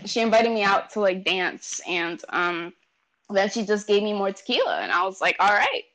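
A woman's voice: medium pitch, very animated, moderate pace, a bit bright, low-quality recording. Blunt, profane young woman. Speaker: interviewee. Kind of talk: casual chat. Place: New York.

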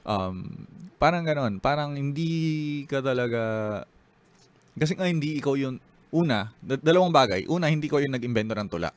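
A man's voice: medium pitch, lively intonation, brisk. A man with a Filipino accent, a spoken word poet on a podcast, switching between English and Filipino. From Philippines. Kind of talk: casual podcast talk and spoken word poetry reading.

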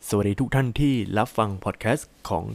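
A man's voice: mid-range voice, steady tone, fast talker, darkish tone, no room sound. Male podcast host, solo casual chat, rambling and chatty, mid-range voice. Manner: rambling, chatty, frequent fillers and exclamations.

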